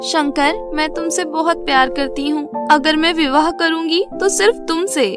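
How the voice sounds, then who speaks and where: Casting: actress as young fairy heroine for cartoon storybook, very high voice, earnest, lovestruck, music underneath. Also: female voice, fairly even intonation, normal speed, natural voice. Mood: pleading. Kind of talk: Hindi animated fairy-tale voice acting.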